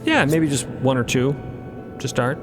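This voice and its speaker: A man's voice: mid-range voice, sing-song, unhurried, over music. A man playing an easygoing, encouraging ship's painter in audio fiction, talking in a casual, hesitant, friendly way. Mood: relaxed, musing. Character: easygoing, encouraging painter aboard a supernatural ship. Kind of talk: scripted audio fiction dialogue.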